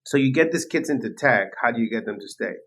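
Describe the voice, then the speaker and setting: A man hosting a podcast interview, speaking in a quick, emphatic, enthusiastic way. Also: medium pitch, lively intonation, a bit bright. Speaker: podcast host. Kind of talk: casual interview chat.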